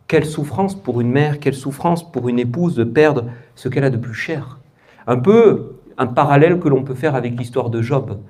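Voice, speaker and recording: A man's voice: medium pitch, warm tone. A man with a French accent preaching a sermon in church, often asking his congregation questions in a conversational way.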